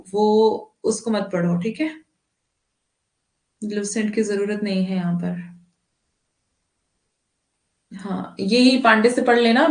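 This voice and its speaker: A woman's voice: medium pitch, gravelly, a little mellow, echoey room. A woman teacher talking to her students in an online class, giving firm, instructive advice and addressing them fondly.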